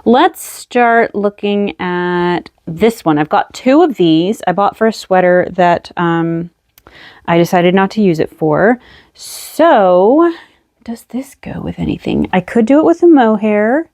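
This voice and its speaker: A woman's voice: mid-range voice, animated, unhurried, a little mellow, no room sound, clean studio sound. A woman vlogging casually at a table, musing aloud about her yarn, slightly out of breath, with many ums. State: a little out of breath. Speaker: craft vlogger. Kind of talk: casual show-and-tell chat.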